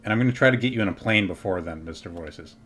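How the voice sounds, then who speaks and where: A man's voice: deep voice, quick pace, a bit bright, slight background noise. A man hosting a casual gaming livestream interview, playful and scattered, with stop-start questions. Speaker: livestream host.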